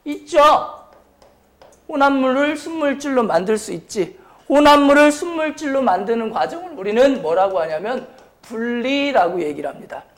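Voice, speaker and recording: A male science teacher gives a lecture in a notably high voice. His throat sounds sore and strained. He speaks bluntly and informally, steering the explanation with frequent questions to his students. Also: animated, moderate pace. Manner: question-and-answer delivery, repeatedly prompting students. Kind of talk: high school chemistry lecture.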